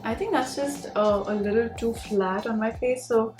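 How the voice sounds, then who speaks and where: Young woman, Indian Punjabi accent, higher-pitched voice, informal beauty vlog chat, candid delivery, music underneath. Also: normal speed, a little mellow. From Mumbai, India. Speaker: beauty vlogger. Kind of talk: casual chatty Q&A while doing makeup. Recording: roomy echo, music behind.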